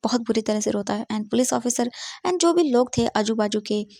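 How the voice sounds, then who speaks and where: Gravelly-voiced woman narrating a story. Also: a little high, lively intonation, moderate pace, darkish tone, dry recording, clean studio sound. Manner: conversational, mixing in English words.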